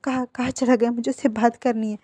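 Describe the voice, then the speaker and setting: A woman's voice: a little high, level tone, a little fast, warm tone, slightly rough. A woman voicing a desperate young man who begs his parents, stammering and repeating himself as she reads a fan fiction story. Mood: pleading.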